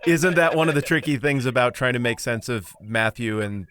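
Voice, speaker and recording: Energetic male podcast host. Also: medium pitch. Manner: energetic, self-deprecating, quick recaps. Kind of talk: casual podcast chat and summary.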